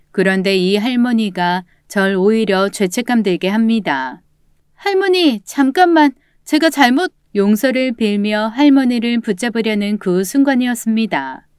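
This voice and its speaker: Smooth-voiced woman narrating a story. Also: medium pitch, darkish tone, no echo, clean studio sound. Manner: earnest, emotional first-person telling.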